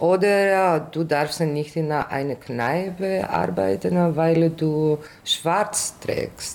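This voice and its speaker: Very slow speech in a Greek accent, with very even loudness and ordinary pitch variation. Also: woman, fairly low pitch for a woman. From Greece. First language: Greek (speaking German). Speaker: bar collective worker. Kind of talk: interview. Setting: café. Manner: halting.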